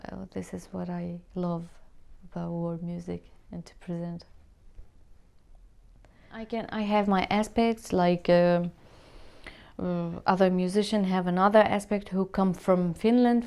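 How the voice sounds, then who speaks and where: A woman's voice: on the low side, fairly even intonation, unhurried, gravelly, dark tone, smooth. A woman from Syria, a musician, speaking English in an earnest interview and searching for words as she talks. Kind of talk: interview answers to camera.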